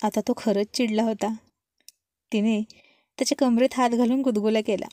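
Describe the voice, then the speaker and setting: Woman, storybook narrator, expressive read-aloud, mellow voice, dry close sound. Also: a little high, moderate pace, no room sound.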